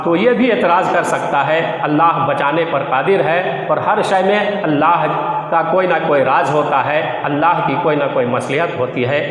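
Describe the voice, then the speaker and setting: A man's voice: on the high side, fairly bright tone. A man preaching a Muslim sermon in formal, Arabic-laced phrasing, explaining emphatically and with much repetition. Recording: very echoey, long reverb.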